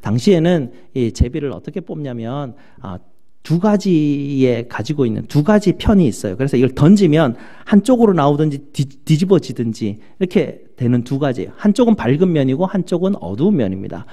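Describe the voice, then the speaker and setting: Animated preaching man, high and mellow. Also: moderate pace. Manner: animated preaching that swings between loud acted outbursts and low asides. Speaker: pastor. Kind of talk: sermon.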